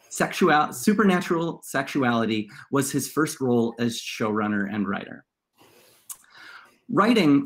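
A man in his thirties speaking as a panel moderator on a video call from a room at home. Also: mid-range voice. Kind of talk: reading scripted introductions, moderating a panel.

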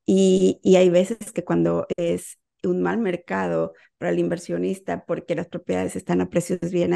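A woman in her thirties from Mexico City with a Mexico City Spanish accent, giving steady, explanatory interview answers over a video call. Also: fairly low pitch, gravelly. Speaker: guest, real estate investor. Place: home office on a video call.

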